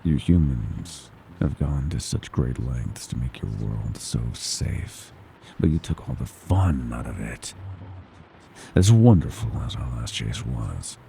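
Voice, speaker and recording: A man's voice: warm tone, slight background noise, exaggerated voice. A man voicing a gleeful, predatory monster from under the bed in a horror ASMR roleplay, menacing and mockingly tender, savoring his words and slipping into whispers. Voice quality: very deep, gravelly creaking growl.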